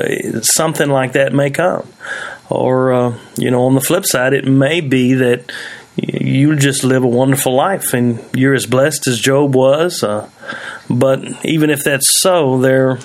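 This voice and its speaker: A man preaches an informal, verse-by-verse Bible sermon with a congested, snotty voice that sounds unwell. His delivery is halting, with repeated words as he works through his points. His pitch sits in an ordinary middle range for a man. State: sick with a cold-like congestion. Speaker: preacher and hospital chaplain.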